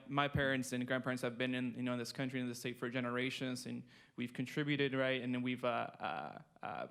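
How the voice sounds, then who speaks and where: A man's voice: medium pitch, a bit bright. A man in his twenties from Mexico, a state census project manager, giving a conversational conference presentation with many fillers and restarts. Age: 20s. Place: conference room.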